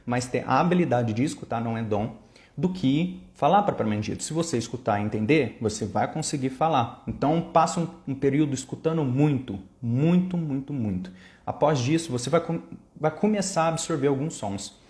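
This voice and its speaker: A man's voice: mid-range voice, a little fast, darkish tone. Chatty Brazilian man in an echoey room. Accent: Brazilian Portuguese. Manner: chatty, explains step by step with examples. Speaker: language-learning vlogger. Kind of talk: casual explanatory vlog.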